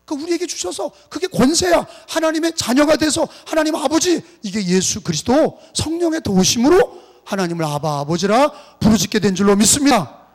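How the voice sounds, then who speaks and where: High-voiced man preaching in a reverberant church. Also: sing-song, fairly quick. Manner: emphatic preaching, swings between loud cries and murmurs; has congregation repeat phrases. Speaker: pastor. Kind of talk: revival sermon. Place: church sanctuary. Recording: long hall reverb, mains hum.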